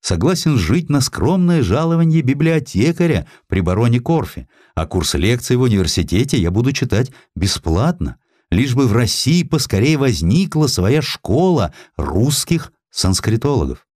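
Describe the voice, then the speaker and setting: A man's voice: mid-range voice, big pitch swings, normal speed, a little mellow, dry recording, studio quality, voice pushed up. A man voicing an aging, stubborn Russian scholar in dramatised audiobook dialogue, with an emphatic, declamatory manner. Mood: indignant.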